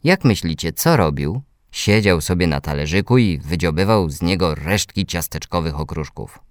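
A man with a low voice reads a children's story aloud. His delivery is gentle and measured, pitched to young listeners. The sound is close and dry. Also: animated, no echo.

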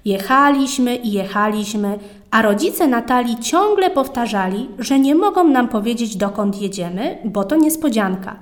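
A woman with a slightly high voice reads a children's story aloud. Her tone is calm and expressive, in the even rhythm of scripted storybook narration. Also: normal speed.

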